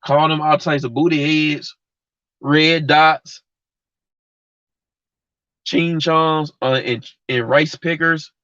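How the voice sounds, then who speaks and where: A man's voice: on the high side, fairly even intonation, slow, long pauses, fairly bright tone, no room sound. A man hosting a livestream, giving a blunt, heated, slangy rant straight to his viewers. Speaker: livestream host. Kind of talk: casual slangy rant to live chat. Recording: dull lo-fi mic.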